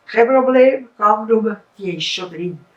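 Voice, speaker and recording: An obliging enchanted fish prince answers from the water in a loud, breezy, reassuring voice, as a Swiss German woman storyteller puts him on. The sound is roomy and comes from some distance. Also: a little high, lively intonation, measured pace, dull audio.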